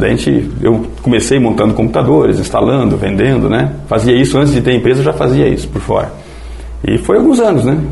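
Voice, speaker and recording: Through audible room echo and noticeable background noise, a man speaks at a fairly quick pace. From Brazil, western Paraná (São Miguel do Iguaçu), born in southern Santa Catarina. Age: 50s. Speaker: internet provider entrepreneur. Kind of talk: casual chat.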